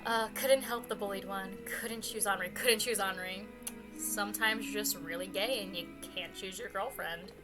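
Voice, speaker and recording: A woman reading game dialogue aloud as a despairing, resigned girl in a dark story, subdued but dramatic. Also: medium pitch, fairly even intonation, normal speed, music in the background, lightly acted. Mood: resigned, sad.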